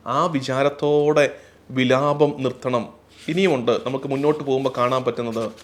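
A man giving a reflective sermon as a Catholic priest, speaking slowly and gently, often dropping to a hushed close and at times chanting lines of a hymn. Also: medium pitch, steady tone, slight background noise.

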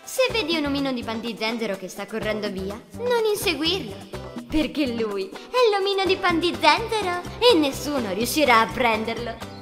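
A woman's voice: high-pitched, big pitch swings, moderate pace. A woman narrating a scripted children's fairy tale as storyteller. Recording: long reverb, music underneath. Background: music.

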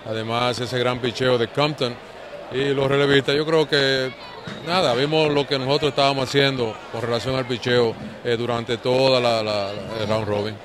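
A man with a Dominican accent, a baseball manager answering post-game questions in a measured, hesitant way. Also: medium pitch, fairly even intonation. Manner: measured, hesitant with many fillers. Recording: noisy outdoor field recording.

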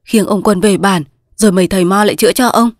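A woman voicing a calm, kindly old male villager who speaks plainly in a storybook reading. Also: mid-range voice, normal speed, no echo, studio quality, close to an everyday voice.

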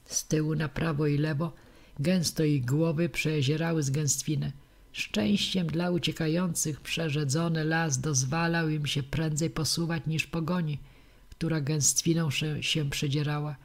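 A woman narrating a classic novel for an audiobook. She reads in a measured, steady way through long passages. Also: low voice. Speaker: audiobook reader.

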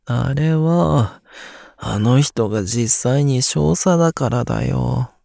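A man playing a sleepy, grumpy but gentle young man in an audio drama, with a drowsy, gravelly, softly grumbling voice. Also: mid-range voice, slow pace, no room sound, studio quality. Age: young adult. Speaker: voice actor. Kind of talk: Japanese audio drama acting.

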